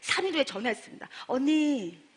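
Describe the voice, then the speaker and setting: Husky, high-pitched middle-aged woman; animated storyteller addressing a seminar crowd. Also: fairly quick. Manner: animated, acts out dialogue, asks the audience questions. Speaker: sales distributor giving a testimony. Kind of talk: storytelling talk to a seminar audience.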